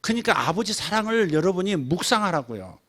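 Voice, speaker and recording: Korean pastor preaching with swelling emphasis. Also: male voice, high-pitched, very animated, a little fast. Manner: swings from soft asides to loud emphatic peaks, acts out childlike prayers. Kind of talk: sermon.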